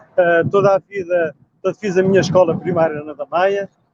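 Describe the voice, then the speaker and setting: Speech moves at a moderate pace with fairly even intonation. The sound is dry and close, with no echo. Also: man. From Portugal, Amadora (Lisbon area). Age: 60s. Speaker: local election candidate. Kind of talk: interview. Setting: outdoors, walking through city streets. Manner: halting, with repetitions and fillers.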